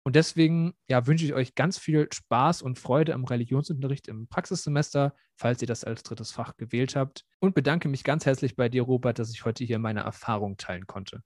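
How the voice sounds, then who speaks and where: A man's voice: medium pitch, moderate pace, hardly any pauses, a little mellow, dry recording, clean studio sound. A young man in his twenties, a student teacher, talking reflectively and earnestly as a podcast guest. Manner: reflective, earnest, many fillers. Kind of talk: podcast interview.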